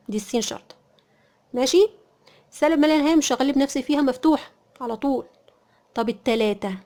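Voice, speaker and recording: A quick-speaking woman with an Egyptian Arabic accent runs through a math lesson. Her voice sits a little high, and she keeps posing questions and answering them herself as she repeats each point. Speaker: math teacher.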